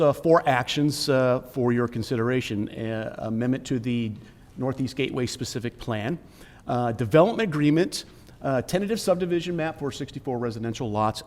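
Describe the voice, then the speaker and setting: A man presenting as a senior city planner, formal and filling pauses with uh. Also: mid-range voice, a little mellow, big-room sound. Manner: formal, frequent uh fillers. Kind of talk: staff presentation. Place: council chamber.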